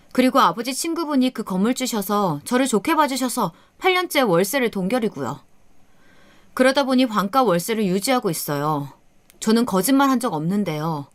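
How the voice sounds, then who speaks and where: A woman's voice: a little high, dry recording. A woman in her thirties narrating a first-person radio story in plain storytelling.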